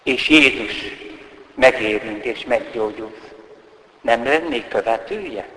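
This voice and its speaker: A man preaching a sermon as a priest, his voice rising with emphasis and then sinking low. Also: animated, vocal fry, pushed and bright. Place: church. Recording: echoey church with long reverb.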